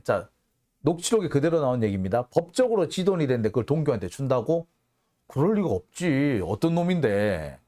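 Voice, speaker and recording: A man's voice: medium pitch, a little mellow. A man hosting his own channel, giving emphatic, conversational commentary on court records. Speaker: host and legal affairs reporter.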